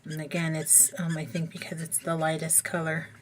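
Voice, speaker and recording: A woman with a somewhat low, slightly froggy voice talks casually through her coloring technique, thinking aloud as she works. It has the easy, unhurried feel of a hobby tutorial voice-over. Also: completely flat delivery, a little hiss or hum. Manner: chatty, thinking aloud while working.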